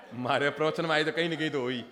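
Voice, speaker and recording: A man's voice: fairly high pitch, a bit bright. A Jain monk from Rajasthan preaching, joking with and questioning his audience. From Rajasthan, India. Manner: humorous, engages audience directly. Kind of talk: sermon. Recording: long hall reverb.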